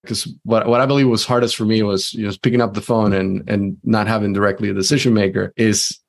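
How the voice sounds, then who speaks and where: A man's voice: on the low side, steady tone, fast talker, creaky. A man from Venezuela, a sales leader, talking casually as an interview guest with frequent restarts.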